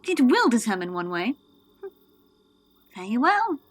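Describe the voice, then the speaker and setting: A woman's voice: a little high, very animated, a little slow, dry recording. A woman acting an uneasy, alert soldier on night watch in a Shakespearean audio drama. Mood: wary.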